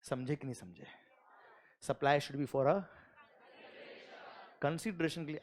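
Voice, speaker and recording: Brief: middle-aged male lecturer, high and lively, acts out dialogue in class. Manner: animated storytelling, acts out dialogue, asks students questions. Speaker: GST lecturer. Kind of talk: classroom lecture with acted anecdote.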